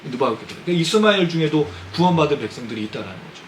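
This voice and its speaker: A man's voice: on the high side, sing-song, racing, slight background noise, rough recording. A man preaching a Sunday sermon, talking conversationally and asking his congregation questions. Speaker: pastor. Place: church sanctuary.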